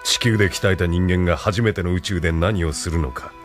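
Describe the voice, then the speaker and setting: An actor playing a stern, cold military colonel who gives orders in a measured, commanding tone in an anime radio drama. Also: male voice, low-pitched, soft background music, lightly acted.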